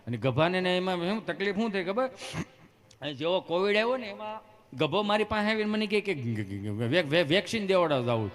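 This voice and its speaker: A man telling folk comic stories, chatty and animated, switching quickly between characters. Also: high voice. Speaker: comedian, storyteller.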